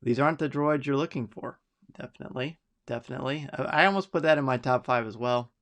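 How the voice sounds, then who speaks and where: A man's voice: mid-range voice, quick pace, a bit bright. A middle-aged man hosting a live podcast, chatty and enthusiastic as he reads out listener picks and reacts to them. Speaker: podcast host.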